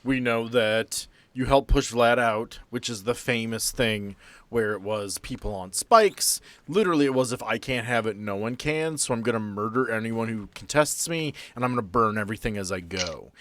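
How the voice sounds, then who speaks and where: A man's voice: medium pitch, normal speed, fairly bright tone, no echo. A man hosting a podcast, explaining and prompting in casual conversation. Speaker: podcast host.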